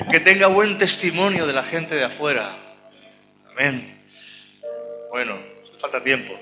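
A man's voice: medium pitch, bright, forceful tone, big-room sound. A man from preaching a fervent sermon and closing prayer, repeating phrases and saying "amén" often. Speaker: lay preacher and cell group leader.

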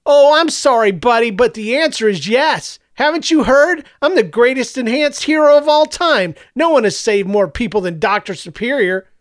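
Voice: mid-range voice, expressive, normal speed, few pauses, no echo, clean studio sound, voice pushed up, natural voice. A narrator voicing a terrified boy who screams accusations through his tears. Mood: screaming.

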